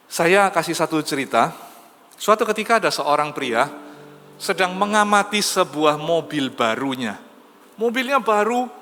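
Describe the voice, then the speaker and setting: A man preaching a sermon as pastor in a conversational, animated storytelling manner. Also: sits high. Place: church. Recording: reverberant church hall with soft music.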